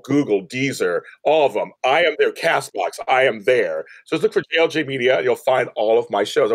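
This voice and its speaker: Animated middle-aged man, chatting expressively. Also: medium pitch, dry recording. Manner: animated, talkative, self-promoting. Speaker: podcast guest, online media network owner. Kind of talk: casual chat.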